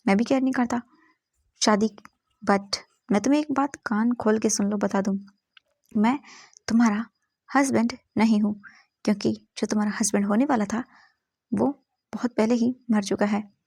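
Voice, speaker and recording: A cheeky, brash young man with a playful, mocking tone and quick comebacks, as a woman narrator puts him on. His voice rasps with a gravelly creak and sounds close and dry. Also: medium pitch, fairly even intonation, darkish tone, dry recording. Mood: teasing, brash.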